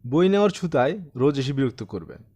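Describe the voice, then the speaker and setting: A man narrating a literary short story as an audiobook, in an expressive storytelling manner. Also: medium pitch, brisk, husky, highs cut off.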